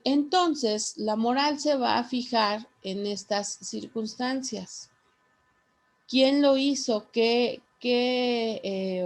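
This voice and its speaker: A woman teacher, dictating notes to her class. Her voice sits fairly high, and she speaks slowly and deliberately, repeating each phrase so the students can write it down.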